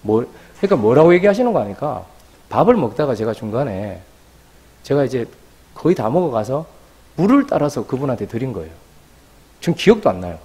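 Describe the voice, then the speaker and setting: A man's voice: mid-range voice, a little fast, long pauses, husky. A man preaching a sermon as pastor, telling a story and acting out the voices of people in it. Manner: animated, acts out quoted voices.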